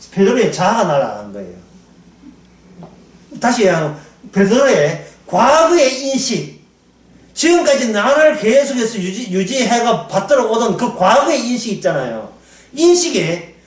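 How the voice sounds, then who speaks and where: Animated male Bible teacher, high bright pitch, recorded at a distance in a roomy hall. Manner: animated, acts out quotes, laughs often. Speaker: Bible lecturer. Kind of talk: sermon-style Bible lecture. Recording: echoey room, distant mic.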